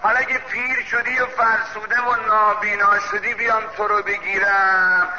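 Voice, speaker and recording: A preacher voicing a calm young prophet-king who speaks gently and measuredly, in a dull, echoey hall recording. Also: high-pitched. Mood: reproachful.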